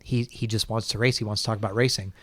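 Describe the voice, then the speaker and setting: A man's voice: fairly low pitch, steady tone, quick pace, no room sound. A man hosting a podcast, talking casually and thinking aloud with many restarts and fillers. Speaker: podcast host. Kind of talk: casual conversation.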